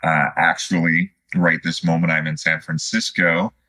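Deep, bright, husky man in his fifties. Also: level tone, moderate pace. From Chicago, United States. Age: 50s. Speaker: podcast guest, student physical therapist. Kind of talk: conversational interview answers.

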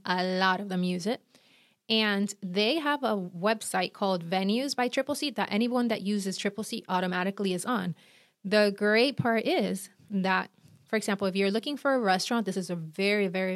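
A woman in her thirties with a Puerto Rican accent, an event planner giving chatty, energetic how-to advice with quick asides. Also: medium pitch, no room sound, studio quality. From Puerto Rico. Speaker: event planner and podcast host. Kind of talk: instructional talk.

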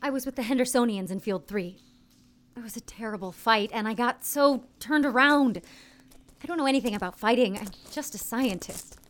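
An actress playing a soft-spoken, sweetly menacing woman scientist who once nursed ants. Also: fairly high pitch, moderate pace, lightly acted. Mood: flustered. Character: woman scientist, former ant nursemaid, sly and vengeful.

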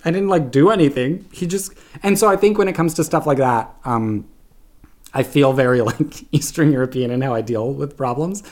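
A man's voice: mid-range voice, normal speed, darkish tone. A young man from Canada telling stories in casual podcast chat, peppering his speech with "like". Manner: chatty storyteller, constant "like". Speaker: podcast guest.

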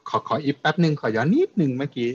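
A man in a casual podcast chat who cuts in with a quick correction, on a dull lo-fi recording. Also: a little high, a little mellow. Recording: dull lo-fi sound.

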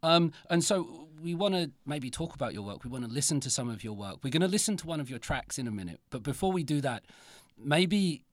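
Very deep-voiced lively woman interviewer. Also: brisk, no room sound. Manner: encouraging, lots of listening noises, repeats words. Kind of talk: casual interview chat.

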